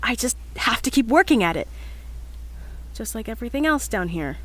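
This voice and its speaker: A woman's voice: a little high, big pitch swings, normal speed, a bit bright. A woman playing an earnest, determined young scientist in an audio drama, speaking in a reflective, slightly hesitant confessional log. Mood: upbeat, sheepish.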